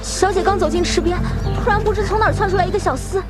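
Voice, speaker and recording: An actress playing an anxious, gossipy young maid in a period drama, with soundtrack music behind. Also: female voice, extremely high pitch, fast. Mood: nervous.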